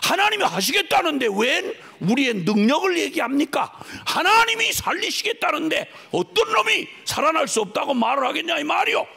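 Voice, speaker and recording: A middle-aged man preaching a fervent sermon at a church worship service, shouting out proclamations and leading the congregation in calls, with playful asides between. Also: very high voice, very animated, a little fast, gravelly, hardly any pauses. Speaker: missionary preacher.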